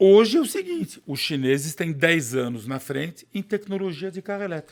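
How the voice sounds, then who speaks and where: Very clean recording, silent background. A man talks at a high pitch with lively intonation. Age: 60s. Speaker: automotive businessman. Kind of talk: podcast interview.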